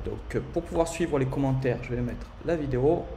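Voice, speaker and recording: A man with a southern French accent is heard with audible room echo and noticeable background noise. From southern France. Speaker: online business trainer. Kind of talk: live stream presentation. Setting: Facebook live stream. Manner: hesitant, many fillers.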